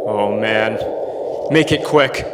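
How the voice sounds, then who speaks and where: A man's voice: on the low side, slow pace, very noisy. A teenage male actor playing a dogged, exasperated young pilot in a radio play, recorded live on stage. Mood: weary, wary.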